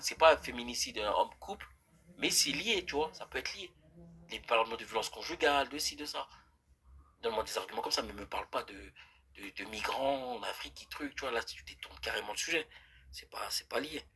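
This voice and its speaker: A man's voice: mid-range voice, slightly rough. A man live-streaming, arguing heatedly with his chat in a casual way, with many restarts. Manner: animated, argumentative, many restarts.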